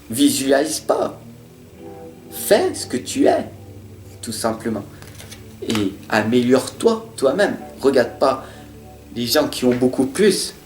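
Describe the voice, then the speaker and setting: A tarot reader gives a monthly horoscope from the cards, his fairly high voice earnest, repetitive and motivational. He stutters at times and swings between loud and soft. The sound is roomy, with faint guitar music behind him.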